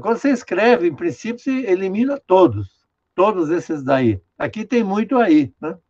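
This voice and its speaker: A man's voice: high-pitched, big pitch swings, normal speed, a little mellow. An older man from Brazil, a linguistics professor giving an online lecture, patiently explaining a student's writing and tagging sentences with "né?". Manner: patient, explanatory, many "né?" tags, directs the screen operator. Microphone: video call. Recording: dull lo-fi video call audio.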